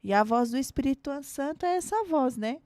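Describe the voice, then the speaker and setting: A Brazilian woman, a pastor, talking casually and softly, laughing easily. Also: high-pitched, animated, a little fast, no room sound. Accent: Brazilian Portuguese. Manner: soft, warm-toned asides, laughs easily. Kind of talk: casual conversation.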